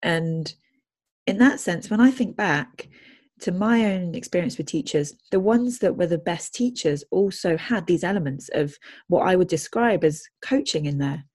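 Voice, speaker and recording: A woman's voice: fairly low pitch, lively intonation, normal speed, a little mellow, slightly rough. A woman who works as a language consultant, hosting a casual interview and thinking aloud in a friendly way. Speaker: language consultant and podcast host.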